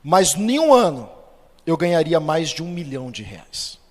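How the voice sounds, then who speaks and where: A man with a Brazilian Portuguese accent gives a spoken testimony as a preacher, telling his story with lively acted-out dialogue. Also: moderate pace. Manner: storytelling, acts out quoted dialogue with shifts of pitch and loudness. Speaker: Catholic lay preacher. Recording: long hall reverb.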